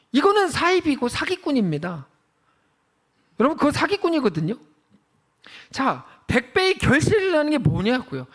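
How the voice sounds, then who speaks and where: A man preaching a sermon as pastor, chatty and animated, asking the congregation questions and acting out quoted voices. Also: very high voice.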